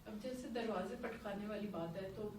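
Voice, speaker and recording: A woman's voice: mid-range voice, darkish tone, distant mic, slight background noise. A woman asking about discipline and describing how she handles her own children. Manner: asks questions and shares her own parenting practice. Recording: echoey room, off-mic, faint ambience.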